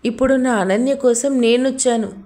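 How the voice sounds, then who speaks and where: A woman's voice: fairly high pitch, normal speed, dark tone, lightly acted. A woman voicing an intense, devoted young husband in a storybook audio drama, speaking emotionally. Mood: pleading.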